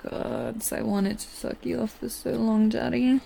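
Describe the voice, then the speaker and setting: Slow, gravelly-voiced woman whispering softly. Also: fairly high pitch, sing-song, slight background noise. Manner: soft, seductive, teasing whisper. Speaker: audio roleplay performer. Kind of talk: intimate whispered audio roleplay.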